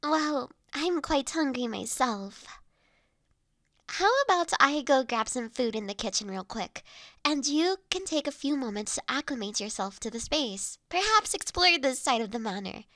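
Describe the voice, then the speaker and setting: A high, bright voice, recorded close and dry, for a gentle young noblewoman, acted by a woman in an intimate roleplay audio drama. She is courteous and doting, choosing formal, slightly old-fashioned words and taking her time as she looks after the listener. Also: expressive, moderate pace, dry recording. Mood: caring, attentive. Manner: soft-spoken, formal old-fashioned phrasing, solicitous.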